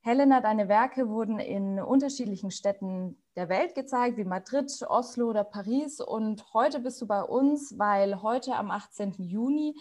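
A woman's voice: mid-range voice, normal speed, hardly any pauses, darkish tone, no echo. Woman co-host for an interview podcast, dry booth sound, easygoing. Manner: thoughtful, easygoing, with fillers. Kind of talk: casual podcast chat.

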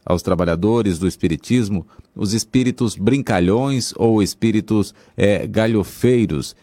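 Low, dark-voiced man reading questions. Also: no room sound. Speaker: co-host reading viewer questions.

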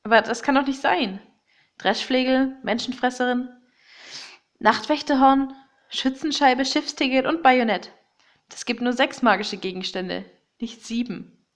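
A woman's voice: mid-range voice, moderate pace, lightly acted. A woman playing a plucky detective who narrates a children's audio story in a dramatic, conspiratorial way. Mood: alarmed, indignant. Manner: conspiratorial, dramatic, addressing young listeners directly. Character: excitable, plucky male detective Otto, leading young sleuths.

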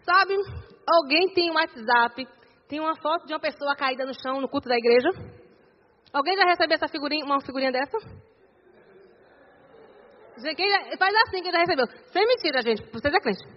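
Bahian woman preacher, high voice, animated storyteller; dull, reverberant church recording. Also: a little fast, pauses often. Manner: animated storytelling, acting out dialogue. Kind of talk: sermon testimony. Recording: dull sound in a reverberant hall.

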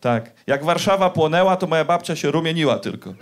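A male stand-up comedian telling a story in a profane, animated way, in a noisy live recording. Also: fairly high pitch, a little fast.

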